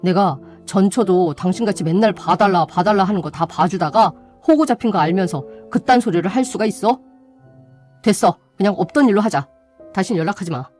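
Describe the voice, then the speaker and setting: A woman's voice: medium pitch, fairly quick, darkish tone, soft background music, natural voice. Woman doing a jilted guy, stern and blunt, no patience left. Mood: fed up. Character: betrayed young man, cold and firm. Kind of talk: radio drama acting.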